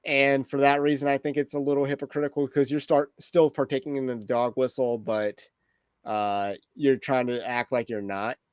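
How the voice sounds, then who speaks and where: A man's voice: medium pitch, level tone, normal speed, clear, resonant tone, no room sound. A man hosting a livestream, talking through topics casually with wry, rambling asides. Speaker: livestream host.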